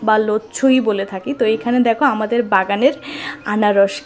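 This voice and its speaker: A woman's voice: medium pitch, fairly even intonation, moderate pace, a little mellow. A young woman narrates a personal vlog casually, chatting straight to her viewers with little tag questions. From rural Tripura, India. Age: young adult. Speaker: vlogger.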